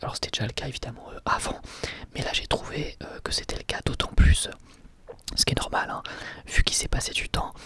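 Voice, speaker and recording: Whispering man reviewing anime. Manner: hesitant, full of fillers and casual slang; soft and unhurried.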